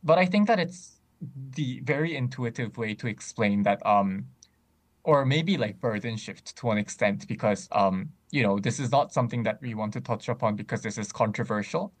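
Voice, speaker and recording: A man in casual discussion, speaking thoughtfully with frequent pauses and restarts. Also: mid-range voice, lively intonation. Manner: many fillers and restarts, thoughtful.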